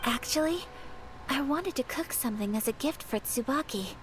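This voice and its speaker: A woman voicing a composed young noble lady who speaks softly and formally, with game music behind. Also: high-pitched, lively intonation, moderate pace. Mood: polite. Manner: soft-spoken, formal, apologetic.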